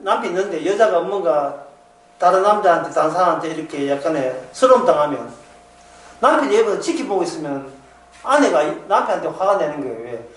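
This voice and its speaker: A male preacher with a Gyeongsang Korean accent delivers a sermon in a lively, swooping voice, asking rhetorical questions and dropping into dialect. He sounds set back from the mic in a roomy, echoing hall. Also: high voice, distant mic. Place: church hall.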